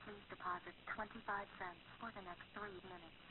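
A woman's voice: mid-range voice, big pitch swings, normal speed, creaky, husky. Woman's recorded payphone prompt. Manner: prompting, automated. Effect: recorded payphone message heard down the line. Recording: faint, tinny payphone line.

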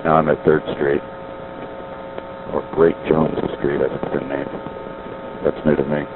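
Middle-aged man, very low voice, monotone, payphone line, dull lo-fi sound, rambling. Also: a little slow, very noisy. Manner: musing, digressive, self-correcting. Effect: heard over a payphone line. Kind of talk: rambling monologue on a phone line. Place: city street payphones.

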